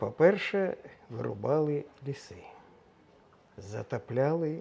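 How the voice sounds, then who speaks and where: Speaking very slowly, a man uses a fairly high pitch and lively intonation, his tone dark and mellow. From Chornobyl region, northern Ukraine. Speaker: former Soviet welfare inspector and electrical engineer. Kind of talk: interview answer.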